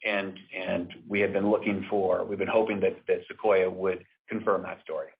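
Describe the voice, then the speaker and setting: A man with a very low, slightly rough voice speaks as an executive on a conference call. He answers haltingly, doubling back over words. The sound is thin and narrow, like a telephone line. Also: level tone. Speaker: company executive. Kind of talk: answering questions on an earnings call. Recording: muffled narrow phone line.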